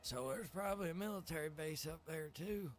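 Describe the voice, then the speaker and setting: Folksy laid back guy, kinda high voice, roleplay game chat, bit of music behind. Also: brisk. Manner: folksy, easygoing, drawling phrases. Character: Pete, friendly folksy wandering survivor in zombie roleplay. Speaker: online roleplay game player. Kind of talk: in-character casual game chat.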